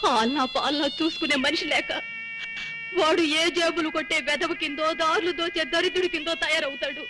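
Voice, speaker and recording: A woman's voice: sits high, steady tone, normal speed, over music, lightly acted. An actress playing a sickly old mother who is hard of hearing and talks fussily and affectionately. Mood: tender. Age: older. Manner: fussy, pleading, affectionate. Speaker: actress in a film comedy scene.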